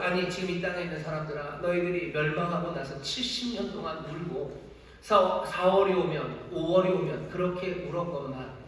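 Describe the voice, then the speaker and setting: A man's voice: high voice, fairly bright tone. A man preaching a sermon as the pastor, impassioned, often voicing God's rebukes as pointed questions. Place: large church sanctuary. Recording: echoey church sanctuary, distant mic.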